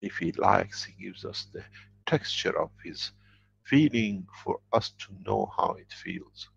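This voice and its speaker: Lecturing man, very deep gravelly voice, husky, emphatic and repetitive, dull lo-fi recording. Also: lively intonation, unhurried, fairly bright tone. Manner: emphatic, repeats key phrases. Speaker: workshop lecturer. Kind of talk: spoken workshop lecture.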